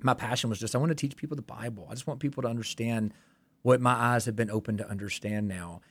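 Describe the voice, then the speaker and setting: A man's voice: mid-range voice, fast, fairly bright tone. A man, a pastor from Tennessee, candidly telling his story as a podcast guest. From Tennessee, USA.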